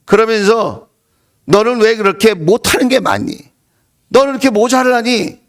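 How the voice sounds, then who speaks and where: A man voicing an exasperated mother who scolds her mischievous young son with rapid-fire rebukes. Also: sits high, close to an everyday voice. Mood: scolding.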